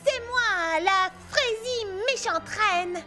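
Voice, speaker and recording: An eager young cartoon girl, bright and extremely high. Her delivery is excitable and expressive, over faint music. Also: takes it slowly, heavily acted. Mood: rehearsing grandly. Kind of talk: French-dubbed children's cartoon acting.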